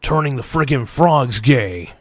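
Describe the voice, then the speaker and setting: Hoarse man, livestream host, rambling, thanking donors, dry close sound. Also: mid-range voice, expressive, a little slow, dry recording. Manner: rambling, thanks donors loudly, chants silly phrases. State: hoarse, voice worn out. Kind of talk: casual livestream reaction.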